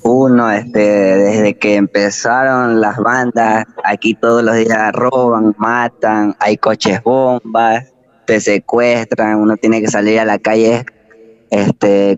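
A man with an Ecuadorian accent calling in to a radio show, speaking plainly and haltingly with fillers. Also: lowish voice, steady tone, no room sound. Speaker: caller. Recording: dull, dry phone line.

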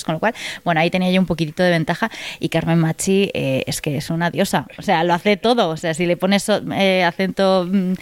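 A woman from Spain answers interview questions about her work as an actress. Her voice sits low for a woman, and she talks with eager enthusiasm, often pausing on fillers and restarting her phrases. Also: smooth, dry recording.

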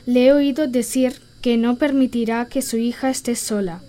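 A woman's voice: a little high, steady tone, normal speed. A woman reading a scripted first-person diary in the voice of a young girl, simple and intimate. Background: soft background music.

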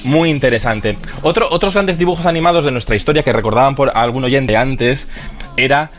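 A man's voice: medium pitch, fairly quick, faint music behind. Chatty man on radio. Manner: chatty and nostalgic, hums and sings snippets. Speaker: radio TV-history pundit. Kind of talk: casual radio chat.

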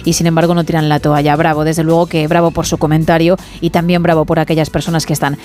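A woman's voice: low voice, flat delivery, darkish tone. A woman hosting a radio show, chatting in a playful, teasing way the studio. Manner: playful teasing, quick laughs. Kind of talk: lively late-night radio chat.

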